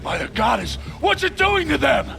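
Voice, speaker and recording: An actor playing a panicked tribal warrior in a game, shouting in a gravelly voice. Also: male voice, very high-pitched, very animated, normal speed, exaggerated voice. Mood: frantic shouting. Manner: frantic battle shouting. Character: panicked male tribal warrior under attack. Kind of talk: video game cutscene acting. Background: loud game music and machine noises.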